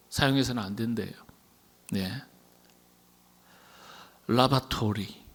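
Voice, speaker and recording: A middle-aged Korean pastor preaching at a midweek prayer meeting, talking casually, putting questions to the congregation and sometimes dropping to a whisper. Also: male voice, medium pitch. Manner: conversational, asks the congregation questions and answers himself; drops to a whisper at the ends of phrases. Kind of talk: sermon at a Wednesday prayer meeting.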